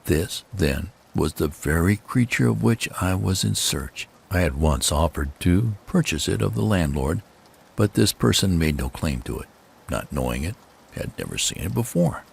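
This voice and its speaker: Male narrator for gothic horror, heavy gravelly creak, theatrical swings in pitch, deliberate phrasing, faint noise behind. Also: lively intonation. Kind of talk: dramatic scripted narration of a gothic horror story.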